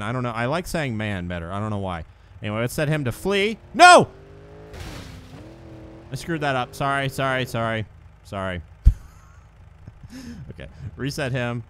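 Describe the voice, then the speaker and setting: A young man giving casual gameplay commentary, excitable and laughing, bursting into shouts at the action, with the hiccups. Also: medium pitch, moderate pace, smooth. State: has the hiccups. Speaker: gaming YouTuber.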